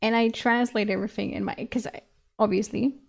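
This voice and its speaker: A woman's voice: on the high side, steady tone, brisk, gravelly. Giggly woman reading a novel aloud. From Sweden. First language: Swedish. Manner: giggly, breaks off to laugh and comment. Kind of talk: novel reading with chatty commentary.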